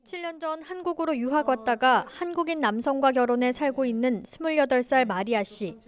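Female reporter, news voice-over, high pitch, measured. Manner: measured scripted reading.

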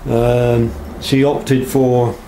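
Male craftsman, understated and halting, casually presenting handmade work on a camera mic with noticeable background noise. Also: medium pitch, flat delivery, dark tone. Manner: hesitant, unscripted, understated. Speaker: knife maker presenting work. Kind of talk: casual workshop show-and-tell. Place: small block-walled workshop.

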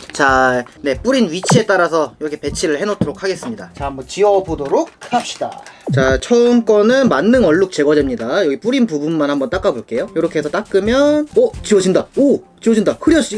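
A young man giving casual, animated hands-on product testing commentary, thinking aloud as a review host. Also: sits high. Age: young adult. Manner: animated, conversational, thinking aloud while working. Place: small room indoors, seated at a table.

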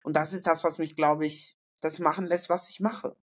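A middle-aged woman from northern Germany speaks as an interview guest, thinking aloud in a loose, reflective way. She often pauses, adds fillers and restarts her sentences. She is heard over a video call from a room indoors. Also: deep voice, steady tone. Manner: reflective, frequent fillers and self-corrections. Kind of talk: casual conversational interview.

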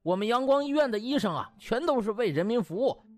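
A man's voice: very high-pitched, lively intonation, fast, a little mellow, voice pushed up. A man voicing a shameless, smug young male doctor with a playful, mock-pompous manner in an audiobook. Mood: mock modest.

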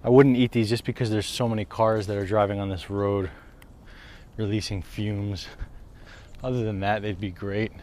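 A wellness vlogger's fairly low, darkish voice barely moves in pitch and keeps a normal speed, with a little hiss or hum underneath. He walks along a residential street recording on a handheld camera at arm's length, chatting casually while swearing freely and laughing at himself.

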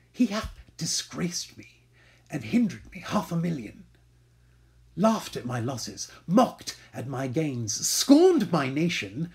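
A man's voice: on the high side, darkish tone, exaggerated voice. A man playing an aggrieved, vengeful Shakespearean moneylender in an intense, theatrical stage monologue.

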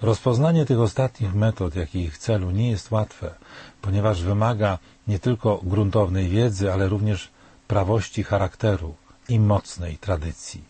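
Man, sixties, husky, dark, low, grave studio commentary. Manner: measured, grave, rhetorical questions. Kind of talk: scripted spoken commentary.

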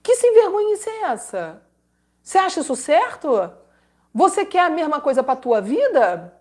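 A woman's voice: sits high, big pitch swings, moderate pace. A woman hosting a live advice stream, emphatic and scolding, with dramatic repetitions and religious exclamations. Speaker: host giving relationship advice. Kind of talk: live-stream advice, reading letters aloud.

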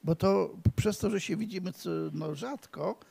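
A man's voice: high-pitched, measured pace, vocal fry, warm tone, slightly rough. An older man giving a rambling, anecdotal speech to an audience at an evening in his honour, with many restarts and stammers. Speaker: guest of honour speaking at his tribute evening. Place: library event hall.

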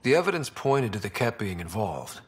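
A calm, steady space explorer leader. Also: male voice, fairly low pitch, moderate pace, husky. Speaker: expedition leader. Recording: game audio with soft music behind.

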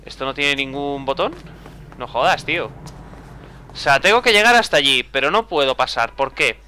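Bright, lively young man griping through gameplay. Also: mid-range voice, normal speed, a little hiss or hum. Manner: exasperated, swears often, talks to himself. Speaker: gameplay commentator. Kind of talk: casual let's-play commentary.

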